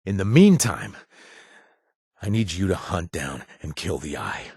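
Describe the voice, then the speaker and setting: A man's voice: sits low, big pitch swings, a little slow, a little mellow, husky, no room sound, studio quality, full character voice. An actor playing a young male ex-gang member, a chatty ally in a video game who cracks jokes and puns. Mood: urgent. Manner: jokey, punning, chatty with fillers.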